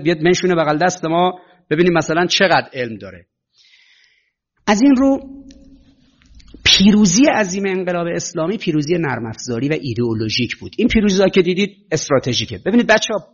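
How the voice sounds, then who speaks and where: A man giving an impassioned political lecture to students, full of rhetorical questions and acted-out quotes. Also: on the high side. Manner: emphatic, rhetorical questions, acts out quoted officials. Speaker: speaker addressing students. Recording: dull lo-fi recording.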